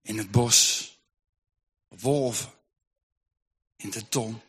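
A man's voice: mid-range voice, very slow, a bit bright, slightly rough, voice pushed down, exaggerated voice. A man doing a faint, stammering old woman. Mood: dazed. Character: exhausted frail old woman, barely conscious.

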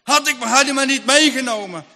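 A man's voice: very high-pitched, fairly quick, pushed and bright, in a large hall, voice pushed up, full character voice. A man voicing a desperate, guilt-torn farmer who prays and pleads aloud in a story. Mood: anguished.

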